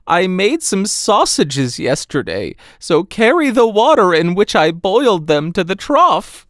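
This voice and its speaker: A man voicing a frail but shrewd elderly grandmother in a storybook, with drawn-out falsetto. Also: sing-song, no echo, clean studio sound. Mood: shrewd instructing.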